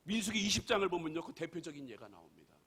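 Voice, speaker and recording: A man's voice: on the high side, sing-song, quick pace, fairly bright tone, slightly rough. A male pastor preaching a sermon, emphatic and full of rhetorical questions to the congregation.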